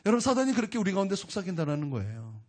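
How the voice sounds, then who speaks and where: Male pastor with a high voice, preaching emphatically with repeated questions to the congregation. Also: very animated, racing, darkish tone. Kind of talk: sermon.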